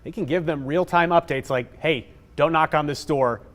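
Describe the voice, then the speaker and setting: A man's voice: a little high, normal speed, fairly bright tone. An American man working as a TV news reporter, delivering a news story. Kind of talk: scripted news narration.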